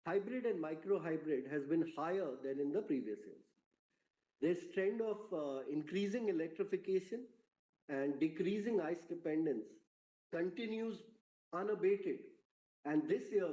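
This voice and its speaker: Exec guy on an earnings call, echoey room, soft mellow voice, measured n formal, reading out prepared remarks. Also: on the high side. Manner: measured, formal corporate delivery. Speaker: company executive. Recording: roomy, echoing conference call audio.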